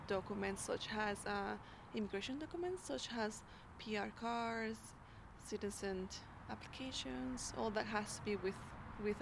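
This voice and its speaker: A young woman with a gravelly edge to her voice talks haltingly, full of fillers and restarts as she hunts for words in English. The recording has a clear hiss and noise behind her. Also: medium pitch. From Mexico. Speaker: youth program worker at an immigrant services agency. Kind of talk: casual interview answers. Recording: noisy recording.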